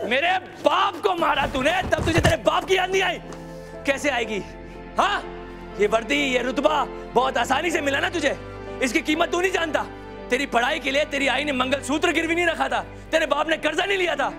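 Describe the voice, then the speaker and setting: A man's voice: extremely high pitch, brisk. An actor playing a vengeful young gangster who taunts and berates a policeman with contempt. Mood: bitter. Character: vengeful young male gangster, menacing, bitter. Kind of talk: stage-style TV drama acting. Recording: drama with loud background music.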